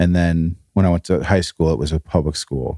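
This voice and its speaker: A speaker with an American accent has a dark, mellow tone and ordinary pitch variation at a moderate pace. The sound is dry and close, with no echo. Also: man. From Chicago suburbs, Illinois. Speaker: podcaster guest.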